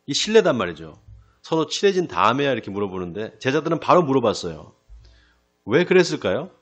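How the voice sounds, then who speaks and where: A male pastor giving a sermon. He asks the congregation questions and answers them himself, slows down to stress key phrases, and often drops to a quiet close. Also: medium pitch, highs cut off, soft background music. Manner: lively preaching, rising then dropping to a quiet close. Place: church sanctuary.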